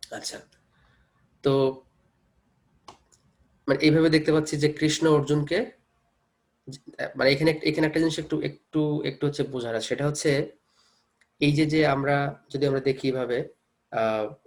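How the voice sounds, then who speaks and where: A man with a Bengali accent teaching a scripture class. He explains with rhetorical questions, often checks that listeners follow, and mixes English words into his talk. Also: a little high. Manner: reads verses slowly, chants Sanskrit. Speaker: Gita teacher.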